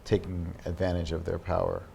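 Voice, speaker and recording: A man being interviewed in a studio as an artist, explaining his work in thoughtful, halting sentences. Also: low-pitched, monotone, vocal fry, mellow, slight background noise. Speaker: artist guest.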